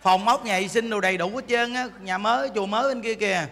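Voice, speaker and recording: Male monk, lively folksy sermon, high and bright voice, long reverb of a temple hall. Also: fast. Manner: animated, joking, acts out voices, asks the audience. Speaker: Buddhist monk teacher. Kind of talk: folksy dharma talk.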